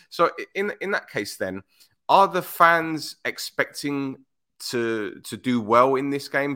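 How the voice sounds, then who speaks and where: A man's voice: mid-range voice, sharp tone. A man interviewing a guest about football, chatty and informal, rewording his questions as he goes. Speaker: interviewer, host.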